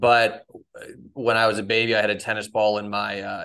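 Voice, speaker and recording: At a very fast pace, a man speaks at a medium pitch with a Mid-Atlantic American accent. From Washington, D.C. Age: 40s. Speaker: tennis coach and content creator. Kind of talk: casual chat.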